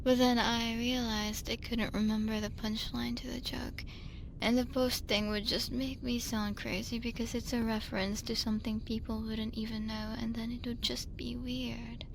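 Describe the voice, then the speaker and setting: A woman's voice: on the high side, level tone, moderate pace, vocal fry, noisy background. A woman playing a drunk, lonely young woman in an ASMR roleplay, rambling and giggling her way through a late-night voicemail with tipsy hesitations. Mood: wistful, rambling.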